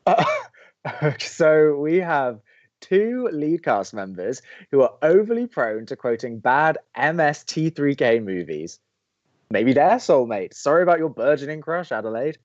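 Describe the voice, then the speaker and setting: A man playing a cynical, grumpy young college radio co-host in an audio drama, with sardonic, deadpan, exasperated banter. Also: fairly high pitch, unhurried, lo-fi sound. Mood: dry, sardonic. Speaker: actor in a romantic comedy podcast.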